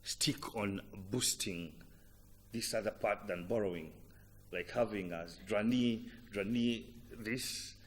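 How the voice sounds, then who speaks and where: A man's voice: lowish voice, a little hiss or hum. A man with a Ugandan accent interviewing conversationally, feeling his way through questions with repeated words. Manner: halting, repetitive questioning. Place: TV breakfast show interview.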